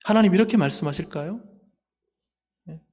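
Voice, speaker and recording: A male pastor preaches with emphatic, fervent delivery, his voice set fairly high. He speaks into a pulpit microphone in a church sanctuary. The sound trails off into a long hall reverb. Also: normal speed, a little mellow. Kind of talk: sermon.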